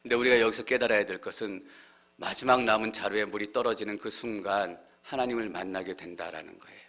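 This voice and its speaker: A male pastor giving an earnest sermon, growing louder and more fervent as he voices heartfelt prayers. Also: fairly low pitch, quick pace. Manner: earnest preaching, swelling louder when voicing prayers.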